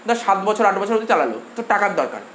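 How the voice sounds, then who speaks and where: A man's voice: high-pitched, sing-song, racing, a bit bright. A male commerce teacher with a Bengali accent, lecturing a class and constantly quizzing his students with repeated questions. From India. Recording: echoey room with faint noise.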